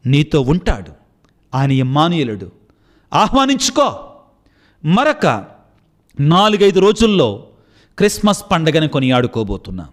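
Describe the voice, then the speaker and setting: A man's voice: wildly swooping pitch, measured pace, pauses often. A man, a Catholic priest, giving an impassioned sermon and then leading a spoken prayer. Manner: impassioned preaching, rising high on appeals.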